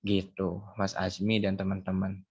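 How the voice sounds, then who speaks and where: A young man with a lowish voice and a slight Sundanese accent talks through his job in a relaxed, informal way, pausing on fillers. The sound is a dry, muffled video call. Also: breathy edge, dry recording. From West Java. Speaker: hospital billing staff interviewee. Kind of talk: casual explaining on a video call.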